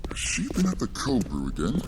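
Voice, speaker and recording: A man's voice: mid-range voice, wildly swooping pitch, brisk, a little mellow, slight background noise, low-quality recording. A man playing a blunt, gossipy giant servant in an audio drama, nosy and exclamatory. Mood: scolding, nosy.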